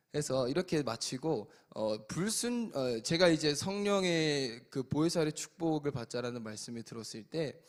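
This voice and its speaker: A man preaching a sermon as pastor, swinging between loud exhortation and soft, quiet asides. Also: fairly high pitch. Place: church sanctuary.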